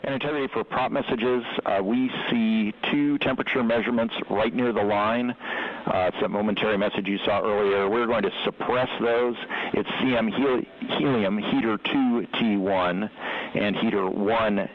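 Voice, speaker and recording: A man giving measured, procedural callouts as a flight controller over a tinny radio comm loop, like a sci-fi communicator. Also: lowish voice, fairly even intonation, slight background noise.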